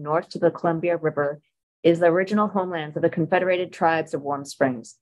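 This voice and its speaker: A woman's voice: fairly low pitch, darkish tone, low-quality recording. A woman commissioner reading a formal statement aloud carefully at a public meeting. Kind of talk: reading a land acknowledgment.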